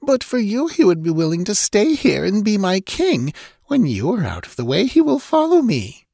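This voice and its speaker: Male narrator as cruel young woman, raised pitch, haughty, menacing, fantasy storybook, close dry recording. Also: huge pitch swings, normal speed, creaky, mellow, no room sound, exaggerated voice. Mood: haughty, gloating. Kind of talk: dramatised audiobook reading of pulp fantasy.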